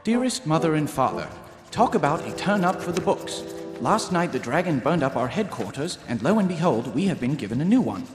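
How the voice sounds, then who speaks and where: A man's voice: a little high, very animated, brisk, music in the background. Earnest naive young watchman, echoey. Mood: earnest, proud. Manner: earnest, stiffly literal recitation. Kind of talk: live radio comedy acting. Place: live on stage in a large hall. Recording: echoey hall, live stage performance.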